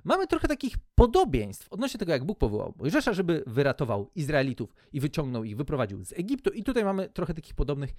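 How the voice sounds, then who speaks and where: A man's voice: on the high side, huge pitch swings, quick pace, hardly any pauses, a little mellow, no room sound, studio quality. A man giving a casual, joking Bible teaching, retelling the story in colloquial storyteller style.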